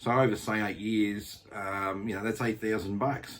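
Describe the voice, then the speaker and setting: In an Australian accent, a man with a fairly low voice talks at a moderate pace with ordinary pitch variation. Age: 50s. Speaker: gaming YouTuber. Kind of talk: casual vlog monologue. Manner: halting, many fillers.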